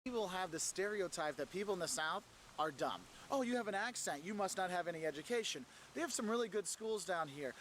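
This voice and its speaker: A man with a high voice explains a point emphatically, addressing the viewer directly. Faint outdoor noise sits behind him, with traffic passing somewhere nearby. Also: a bit bright. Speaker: video creator. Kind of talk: explanatory vlog talk.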